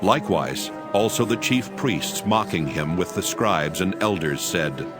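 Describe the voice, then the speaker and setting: A man's voice: deep voice, animated, measured pace, music in the background. A man narrating scripture as a dramatized reading.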